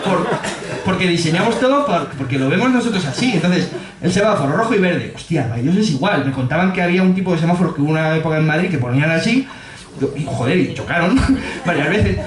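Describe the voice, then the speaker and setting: A man with a Spanish accent giving a humorous talk in a pub, laughing often and acting out quotes in a high voice. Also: lively intonation, fast talker, echoey room, crowd noise. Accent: Spanish from Spain. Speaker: speaker giving a public talk. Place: pub with an audience.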